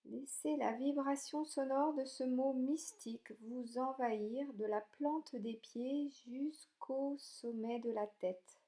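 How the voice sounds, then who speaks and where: A woman leading a guided yoga relaxation, speaking calmly and soothingly in short, gentle instructions with pauses between them. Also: sits high. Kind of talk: slow guided meditation narration.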